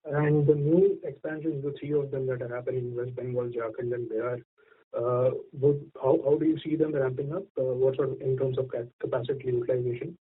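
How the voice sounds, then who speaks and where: A man's voice: mid-range voice, steady tone, fairly quick, slightly rough. A man asking questions as an investor on an earnings call, speaking over the telephone. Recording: thin phone line.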